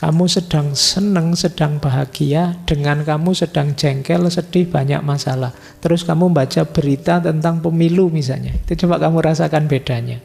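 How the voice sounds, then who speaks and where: A man's voice: fairly high pitch, steady tone, normal speed, gravelly, a little mellow. A middle-aged man giving an informal lecture in a large mosque hall, talking conversationally and teasing his listeners with everyday examples. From Indonesia. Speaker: philosophy lecturer. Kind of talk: informal religious study lecture. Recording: long hall reverb with faint music.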